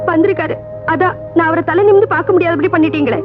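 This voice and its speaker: A bitter, reproachful young married sister whose very high voice comes quick and sharp. The thin, phone-like old film sound has music clearly underneath. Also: female voice. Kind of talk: 1980s film acting.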